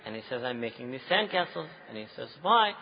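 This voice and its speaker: Speaking in a brisk, mid-range voice, a South Asian–accented Muslim preacher tells stories with animation to a live audience. He switches languages and frequently checks in with his listeners rhetorically, heard through the muffled, dull acoustics of an echoey hall.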